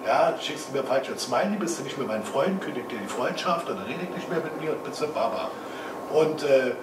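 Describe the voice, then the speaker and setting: A man's voice: mid-range voice, lively intonation, moderate pace. An older man from Berlin giving an opinionated, colloquial comment from the audience at a panel discussion. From Berlin, Germany. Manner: emphatic, colloquial. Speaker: audience member. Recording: echoey room, voice from far off, noisy.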